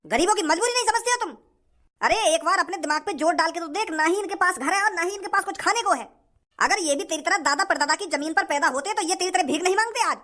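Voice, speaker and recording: A man playing a swaggering rich young guy, very high voice, scolding and boastful. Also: lively intonation, fast, bright, forceful tone, heavily acted. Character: brash rich young male show-off.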